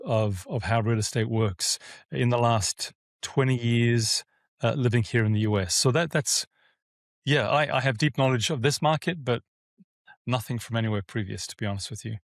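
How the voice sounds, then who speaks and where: A man's voice: medium pitch, no echo, clean studio sound. A man from Africa, a guest in an interview answering casually, often restarting his sentences. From South Africa. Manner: rambling with many restarts and fillers. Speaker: guest, property management business owner.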